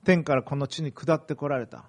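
A man preaching a sermon as a pastor, speaking in measured phrases with pauses. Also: a little high, steady tone.

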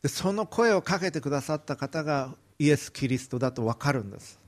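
A man's voice: on the high side, expressive, brisk. A man preaching a sermon, retelling a Bible story vividly and briefly acting out the quoted lines. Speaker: pastor.

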